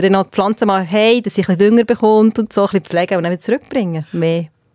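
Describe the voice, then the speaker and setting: A woman's medium-pitched voice at a very fast pace, with ordinary pitch variation and a dry, close sound with no echo. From Switzerland, Bern. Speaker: lawyer and mediator. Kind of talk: radio interview. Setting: studio.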